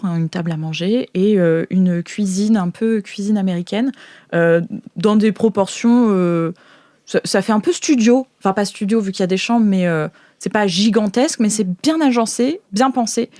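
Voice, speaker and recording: A woman's voice: mid-range voice, normal speed, dark tone, dry recording. Dry-sounding woman narrating a game. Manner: casual, conversational. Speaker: game master. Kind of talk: improvised scene narration for a tabletop game.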